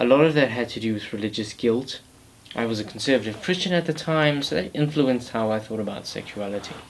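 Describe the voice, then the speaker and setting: Soft-spoken and at a very fast pace, a man talks at medium pitch with ordinary pitch variation. Noticeable background noise runs under his voice. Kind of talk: personal story to camera.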